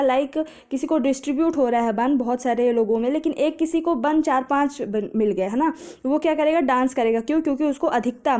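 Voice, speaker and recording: A woman's voice: high-pitched, warm tone. A woman teaching an exam-prep vocabulary lesson, asking questions and answering them herself, and building memory tricks. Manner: explains patiently with memory tricks, asks and answers own questions; reads English phrases slowly.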